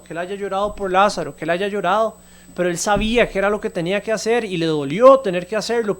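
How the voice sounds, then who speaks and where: A man's voice: sits high, fairly bright tone. A man with a Costa Rican Spanish accent preaching a sermon, reading a Bible passage aloud and then explaining it in a conversational way. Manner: reads scripture then explains it conversationally, with fillers and restarts.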